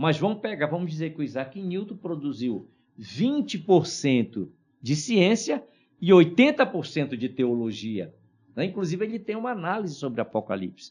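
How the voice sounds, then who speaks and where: A man talks at a moderate pace, fairly high in pitch, with very wide pitch swings and vocal fry. The background is quiet. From Brazil, Belém, Pará. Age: 60s. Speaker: pastor. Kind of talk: podcast interview. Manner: halting, many fillers.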